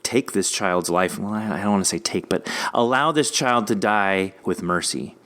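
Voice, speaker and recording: A man with a fairly low voice hosts a casual podcast discussion. He talks earnestly, working out his thoughts as he goes. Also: moderate pace, a bit bright. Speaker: podcast host. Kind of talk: casual discussion of an audio drama episode.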